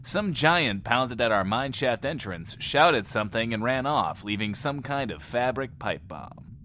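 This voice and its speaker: Male radio host: theatrical, playful, mock-indignant, very lively pitch, audio drama patter over background noise. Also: unhurried. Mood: amused. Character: cheeky theatrical post-apocalyptic radio show host, adult man.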